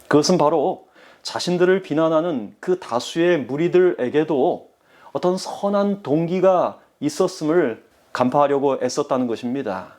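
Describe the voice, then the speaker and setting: A man's voice: a little high, darkish tone. A man preaching a sermon as pastor, speaking earnestly and addressing the congregation directly.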